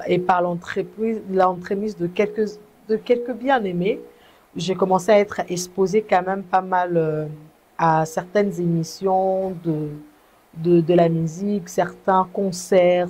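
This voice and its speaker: A young woman from Congo speaks in a low, mellow voice, measured and earnest. She tells her story as an interview guest, pausing and restarting often. Faint noise sits under her voice. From Congo (DRC). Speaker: guest, gospel singer. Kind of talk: testimony interview.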